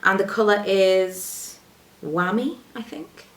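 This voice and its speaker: A young woman doing a chatty, self-deprecating makeup tutorial at home, her voice a little low from a coming cold, speaking close to the camera. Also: lively intonation, slow pace, reverberant, slight background noise. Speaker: beauty vlogger. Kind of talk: casual makeup tutorial chat. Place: room at home, indoors. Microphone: camera close to the face.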